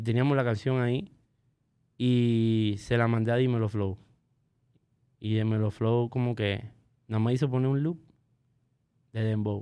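A man with a dark, mellow tone speaks at medium pitch and a moderate pace. His intonation is fairly even, broken by long, frequent pauses. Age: 20s. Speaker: music producer. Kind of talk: casual interview.

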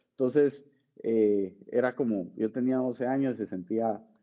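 The speaker is a man with a Guatemalan accent. His pitch sits in the medium range. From Guatemala, Petén. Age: 30s. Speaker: hotel manager and triathlete. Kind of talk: casual interview. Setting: remote call.

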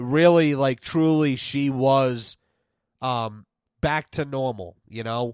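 A man speaks at a very slow pace with a strong Rhode Island accent. The recording is very clean, with a silent background. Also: medium pitch for a man, ordinary pitch variation. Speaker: podcast host. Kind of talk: casual chat. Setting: home recording. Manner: casual, filler-heavy, uses old-fashioned vocabulary.

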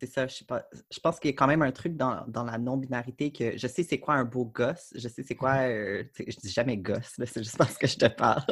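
The pace is fairly quick, and the recording is very clean with a silent background. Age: late 20s. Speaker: podcast host. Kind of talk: casual chat.

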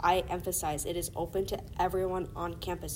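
A woman speaks at a fairly quick pace. Noticeable background noise is audible behind her. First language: not English. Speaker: college student. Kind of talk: casual chat.

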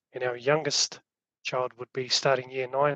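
A man with a New Zealand accent at a very fast pace, his pitch fairly high, the sound dry and close with no echo. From New Zealand, Auckland. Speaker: family traveller. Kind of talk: casual interview.

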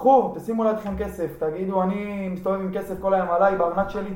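A man talks at a fairly quick pace with a high pitch and fairly even intonation. Noticeable background noise and audible room echo are present. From Israel, Beersheba. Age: 20s. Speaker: kids' fitness coach. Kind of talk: casual interview.

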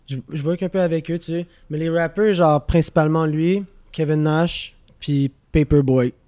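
With a dry, close sound and no echo, a man talks at a fairly slow pace in an unremarkable speaking voice, his pitch fairly high and his intonation fairly even. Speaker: music producer. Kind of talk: casual interview.

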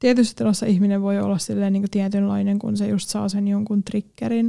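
Delivered at a moderate pace, the sound is dry and close with no echo. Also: woman. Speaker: podcast host. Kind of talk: casual chat.

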